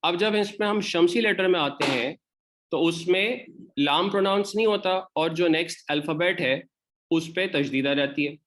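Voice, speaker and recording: A man's voice: fairly high pitch, moderate pace, a bit bright. A man with a Pakistani Urdu accent teaching an Arabic grammar class, explaining step by step and repeating example words. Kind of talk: online class lecture.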